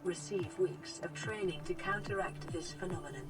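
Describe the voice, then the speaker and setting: A woman voicing a calm female suit computer in a game, even and announcer-like. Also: fairly low pitch, normal speed, natural voice. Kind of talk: game voice line. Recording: distant game audio under loud music.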